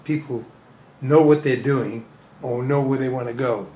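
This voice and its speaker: A man of middle pitch hosts a talk show and speaks in halting, repeated phrases. The room sounds echoey around him. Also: steady tone, mellow, a little hiss or hum. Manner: halting, repeats himself, admiring. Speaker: host. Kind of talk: casual talk show interview.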